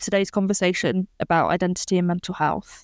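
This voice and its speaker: A woman talks at a moderate pace. The sound is dry and close, with no echo. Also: very clean recording, silent background. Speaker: counselling podcast host. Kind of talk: interview, empathetic conversation. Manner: warm, supportive.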